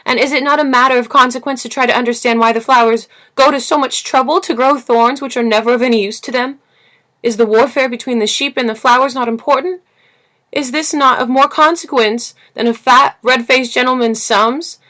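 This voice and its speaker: A woman's voice: sits high, fairly even intonation, fairly quick, bright, forceful tone, voice pushed up. A woman voicing an earnest, passionate little boy prince in a storybook reading, speaking insistently and emphatically. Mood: furious, insistent. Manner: insistent, emphatic, rhetorical questioning. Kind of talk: storybook character voice in audiobook reading.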